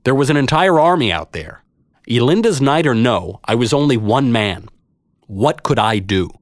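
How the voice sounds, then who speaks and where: A man acts out a reluctant fantasy knight, flustered and blustering. His pitch jumps around as he bluffs at heroism, in a dry, close storybook recording. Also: sing-song, normal speed, no echo, natural voice. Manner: blustering, self-doubting, exclamatory.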